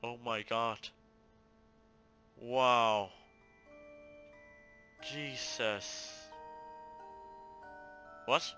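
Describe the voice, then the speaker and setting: A man giving excited, expressive let's play commentary, full of exclamations. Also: mid-range voice, extremely slow, long pauses, soft background music. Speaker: let's player.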